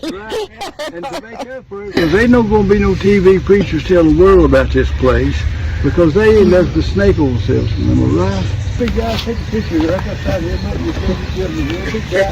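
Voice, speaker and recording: Someone with an Appalachian accent speaks at a fairly quick pace with big swings in loudness, amid audible room echo and noticeable background noise. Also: man. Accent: Southern Appalachian US. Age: 70s. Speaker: castle builder and owner. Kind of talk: casual chat.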